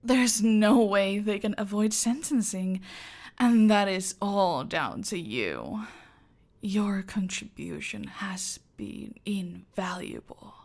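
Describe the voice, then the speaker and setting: Woman as female cartel boss: imperious, slow, husky-fry whisper, controlled menace. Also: medium pitch, lively intonation, darkish tone, heavily acted. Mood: smug. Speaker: voice actor in audio roleplay. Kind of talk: ASMR roleplay.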